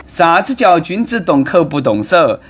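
A man's voice: on the high side, sing-song, moderate pace, a crowd in the background, noisy background. A man with a Nanchong Sichuanese accent hosting a comic commentary in a sarcastic, mocking manner. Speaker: host.

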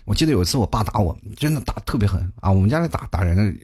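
A man's voice: fairly low pitch, expressive, rapid-fire, a little mellow, slightly rough. A man telling funny stories in a chatty comic monologue as a talk show host, often laughing at his own jokes.

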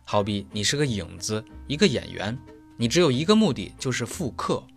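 A man's voice: medium pitch, sing-song, normal speed, creaky, soft background music. Man teaching German pronunciation with analogies. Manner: explains step by step with everyday analogies. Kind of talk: explanatory lesson.

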